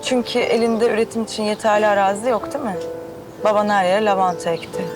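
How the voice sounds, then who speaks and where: A woman's voice: medium pitch, fairly even intonation, fast, natural voice. An actress playing a scheming young woman who coaxes others with honeyed, friendly words. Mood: coaxing. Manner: honeyed, coaxing. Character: scheming young woman, sweet-talking manipulator. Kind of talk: TV drama acting. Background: music.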